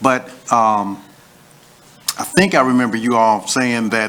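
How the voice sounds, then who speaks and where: With noticeable background noise, a man talks at a fairly slow pace in a medium pitch with fairly even intonation. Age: 60s. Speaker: school board trustee. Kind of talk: public meeting discussion. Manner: halting.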